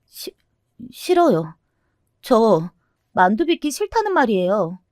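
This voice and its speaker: Storybook casting: a woman doing a stubborn young girl, lively and defiant, dry close mic. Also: a little high, slow, dry recording, pitched above the performer's own voice. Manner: sulky, defiant. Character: teenage girl, resentful and stubborn.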